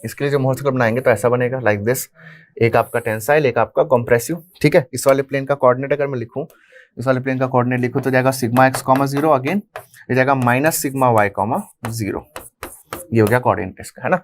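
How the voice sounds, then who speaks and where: A man's voice: mid-range voice, fairly even intonation, brisk. A man with an Indian accent teaching an engineering class. He mixes in English technical terms, repeats key phrases and asks the class questions that he then answers himself. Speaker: engineering lecturer. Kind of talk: classroom lecture explaining at a whiteboard.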